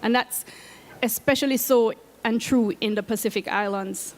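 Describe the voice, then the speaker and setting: A woman with a Jamaican accent giving a prepared talk as a program head, earnest and measured. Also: on the high side, big-room sound, slight background noise. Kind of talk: prepared presentation. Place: event space at a conference.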